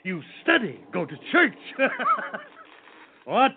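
A man's voice: high-pitched, very animated, measured pace, heavily acted. A man playing a jeering, blustering ship captain. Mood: mocking. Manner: jeering, barking orders, laughing scornfully. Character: scornful mocking ship captain, gruff and blustering. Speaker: actor in a radio drama. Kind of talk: old-time radio drama acting. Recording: tinny old lo-fi recording with faint hiss.

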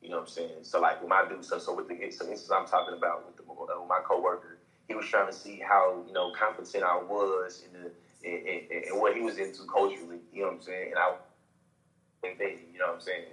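A man with an African American accent talking casually and haltingly, with frequent conversational check-ins. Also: low voice, level tone, bright, forceful tone. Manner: informal, halting, peppered with "you know what I'm saying". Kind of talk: casual podcast chat. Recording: echoey room sound.

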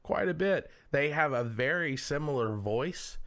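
A man's voice: on the high side, unhurried. A man hosting a comedy podcast, chatting casually and telling stories with easy fillers. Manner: storytelling, relaxed, with fillers. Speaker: podcast host. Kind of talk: casual chat.

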